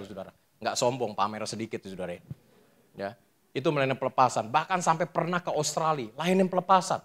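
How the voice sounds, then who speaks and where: A middle-aged man, a pastor preaching a lively sermon, joking and telling stories while he keeps addressing the congregation. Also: fairly high pitch. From Indonesia. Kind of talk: sermon with storytelling.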